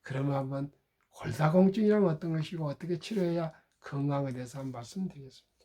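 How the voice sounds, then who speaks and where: A man hosting his own channel, giving a deliberate solo talk on health in short, measured phrases with pauses. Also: on the high side, warm tone. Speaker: channel host.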